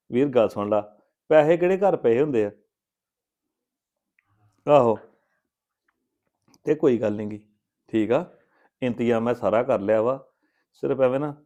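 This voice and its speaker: A man's voice: mid-range voice, mellow, highs cut off, natural voice. An actor playing a persuasive man who reassures a caller about a land deal in a family drama. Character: smooth-talking man arranging a land deal. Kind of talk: Punjabi family drama acting.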